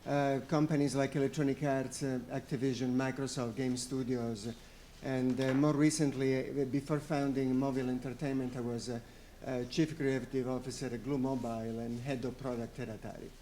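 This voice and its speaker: A man in his forties introducing himself on a conference panel, in a relaxed, self-deprecating way. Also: medium pitch, normal speed, a little hiss or hum. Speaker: panelist, publisher CEO.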